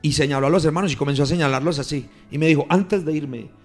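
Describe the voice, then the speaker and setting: Emphatic pastor. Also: male voice, a little high, steady tone, very fast, soft background music. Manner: emphatic, grows loud when retelling. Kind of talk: testimony in a radio interview. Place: radio studio.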